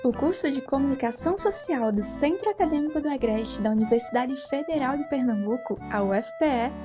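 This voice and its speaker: Very high-voiced woman announcer over music. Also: animated, a little fast. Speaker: credits announcer. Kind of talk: scripted announcement.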